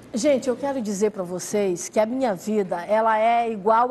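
A woman at a fairly high pitch with ordinary variation and a moderate pace. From Brazil, Maranhão. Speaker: politician, mayoral candidate. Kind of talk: political debate closing statement. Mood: earnest, persuasive. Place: studio. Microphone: lapel.

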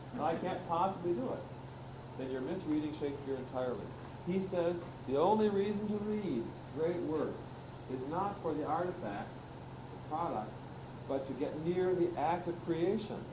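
There is noticeable background noise. A man with a high pitch and ordinary pitch variation talks at a moderate pace, leaving long, frequent pauses. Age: 40s. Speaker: literature lecturer. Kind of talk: lecture. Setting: classroom with audience. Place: hall. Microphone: old recording.

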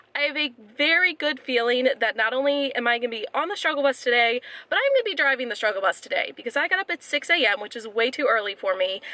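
A woman speaks in a raised, projected voice at a very fast pace. The sound is dry, with no echo. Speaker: teacher vlogger. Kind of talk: casual vlog chat. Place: car. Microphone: phone near.

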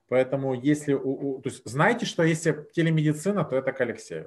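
Against a quiet background, a man with a fairly high pitch talks at a moderate pace. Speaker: book club organizer, entrepreneur. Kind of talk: online group discussion. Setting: video call. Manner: halting, many fillers. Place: office. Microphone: webcam.

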